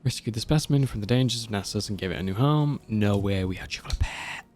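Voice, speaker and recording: A man casually commenting on a video game as he plays, reacting in a relaxed, amused way. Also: fairly low pitch, quick pace. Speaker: streamer. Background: game music.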